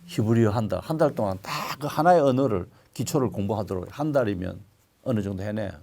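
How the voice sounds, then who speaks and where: An older male pastor preaching a sermon, telling stories with sudden loud, emphatic swells. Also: lowish voice, animated, a little fast, creaky.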